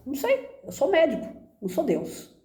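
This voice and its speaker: Woman quoting a calm, stern Brazilian doctor. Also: high voice, moderate pace, pitched above the performer's own voice. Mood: calm, firm. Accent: Brazilian Portuguese. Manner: flat, matter-of-fact replies. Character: calm, serious male doctor, stern yet serene. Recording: roomy echo.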